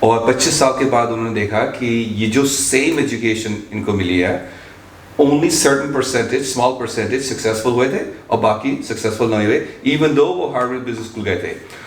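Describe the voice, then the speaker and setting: A man in his fifties speaks in a relaxed, conversational way, mixing Hindi and English and restarting sentences as he tells stories. His voice sits at an average pitch, and the room around him sounds echoey, with a faint hum behind him. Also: moderate pace. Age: 50s. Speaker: guest trainer. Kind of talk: casual interview chat.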